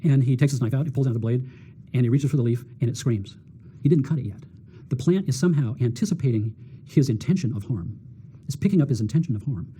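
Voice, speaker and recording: A middle-aged man talks quickly and eagerly, his voice dark and a little husky. He tells stories as a doctor being interviewed, often repeating words and acting out what people said. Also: mid-range voice. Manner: energetic, repeats words, acts out quotes. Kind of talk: animated storytelling talk.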